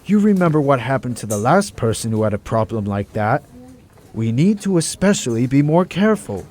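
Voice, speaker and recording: A man's voice: medium pitch, big pitch swings, brisk, a little mellow. A man playing a courteous but stern senior male doctor in an audio drama, with formal diction. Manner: formal, polite, firm. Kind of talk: amateur audio drama acting.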